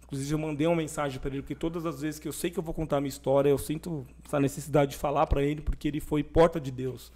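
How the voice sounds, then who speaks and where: Racing along with hardly any pauses, this young adult podcast guest recounts his personal faith story, his voice on the high side. The conversation is animated, and he performs the voices of people he quotes.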